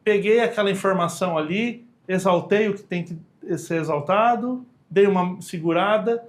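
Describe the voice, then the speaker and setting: He is a communication expert on a podcast, a Brazilian-accented man with a high voice and a moderate pace. He speaks in relaxed slang and acts out quoted lines in different voices.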